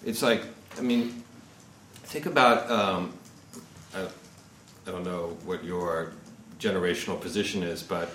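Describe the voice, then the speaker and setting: Deep-voiced and a bit bright, this fifty-something investment guest speaker talks a little slowly with long pauses. He wanders from point to point at an informal seminar, leaning on "you know" and "right," in an echoey room with faint noise.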